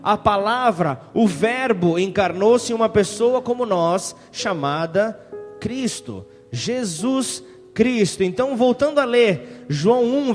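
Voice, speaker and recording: A high-voiced man preaches as pastor, reading scripture passages and pausing to call for amens. His voice rings out in a hall with a long reverb, with soft music faintly underneath. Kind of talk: sermon.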